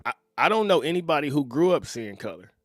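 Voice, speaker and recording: A man in his thirties hosting a reaction video, talking in a relaxed, conversational way and often chuckling. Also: fairly high pitch, fast. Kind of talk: casual reaction commentary.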